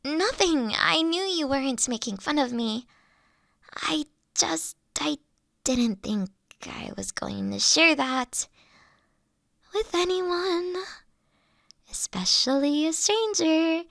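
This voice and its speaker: High-voiced nerdy girl dragon, acted by a woman. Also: lively intonation, slow, gravelly, pauses often, a bit bright, dry recording, studio quality, full character voice. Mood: flustered, embarrassed. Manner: gushing, rambling, stammering when flustered. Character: adorkable young female college dragon, nerdy, eager, anxious. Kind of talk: roleplay audio drama addressed to the listener.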